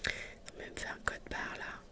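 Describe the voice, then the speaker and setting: A woman whispering through a live ASMR stream, chatting to viewers in relaxed asides into a filtered studio microphone at home. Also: moderate pace. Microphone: studio microphone with noise filters.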